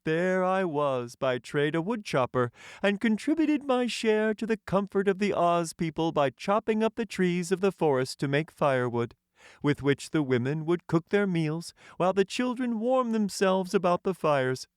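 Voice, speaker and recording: A man's voice: sits high, expressive, moderate pace, smooth, no echo, studio quality, pitched above the performer's own voice. A man voicing a proud, courtly tin man emperor who tells stories in formal, grand storybook language, cheerfully pleased with himself. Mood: wistful, earnest. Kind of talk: audiobook character voice.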